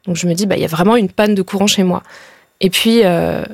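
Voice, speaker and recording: A woman's voice: on the low side, brisk, no room sound, studio quality. Hesitant young woman from northern France. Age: young adult. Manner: hesitant, many fillers. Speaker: guest. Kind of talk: personal testimony. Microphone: studio microphone.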